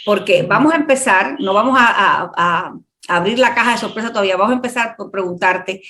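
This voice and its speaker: A woman's voice: medium pitch, brisk, pushed and bright. A woman from Cuba with a Cuban accent, hosting a radio show in a conversational talk and interview style.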